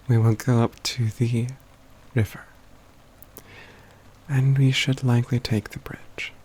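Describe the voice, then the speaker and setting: Here a man plays a courtly mage companion for a gentle ASMR fantasy scene, his phrases measured and halting, frequently dropping into a whisper. The voice sits at medium pitch with a slight roughness, carrying a calm, resolute mood.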